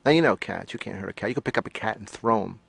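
Brash rambling patient, gravelly, dead-dry recording, cartoon. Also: male voice, fairly low pitch, racing, no room sound, exaggerated voice. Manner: loud, jokey, rambling. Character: brash rambling male patient, cocky and defensive. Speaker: therapy patient. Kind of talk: stand-up style rant.

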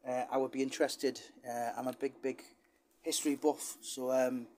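A man's voice: mid-range voice, level tone, normal speed, darkish tone, a little hiss or hum. A man from Britain, a channel host talking in a chatty, rambling, wistful way with many fillers. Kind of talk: casual talking-head monologue.

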